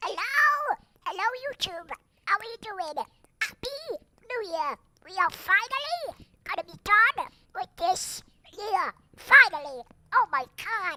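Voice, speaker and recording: An excited, put-on character voice at an extremely high pitch moves at a fairly slow pace with long, frequent pauses. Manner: quacky, loud, excited.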